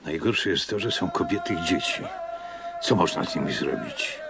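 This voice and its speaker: A very low, highly expressive voice of an aging Jewish innkeeper in a radio drama. He is anxious and stubborn, questioning plaintively and guarding the guests under his roof. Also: normal speed, vocal fry, exaggerated voice. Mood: uneasy. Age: older.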